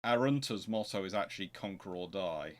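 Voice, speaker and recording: A man's voice: deep voice, lively intonation, brisk. A man hosting a naval history show, speaking informally as he answers questions and reads aloud, often correcting himself. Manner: hesitant, thinking aloud, self-correcting.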